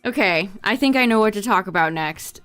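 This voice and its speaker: A woman's voice: medium pitch, animated, fairly quick, a bit bright, smooth, faint music behind. A young woman streamer who is losing her voice, chatting casually with her viewers and reading notes aloud with asides. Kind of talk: casual livestream chat to viewers.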